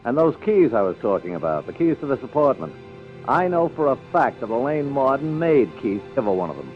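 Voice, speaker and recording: A man's voice: medium pitch, sing-song, fairly quick, close to an everyday voice. A man playing a slick, defensive theatrical agent in a 1950s-style detective radio play, eager and protesting. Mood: insinuating. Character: glib, defensive male Broadway theatrical agent, catty. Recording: dull lo-fi radio drama, faint music.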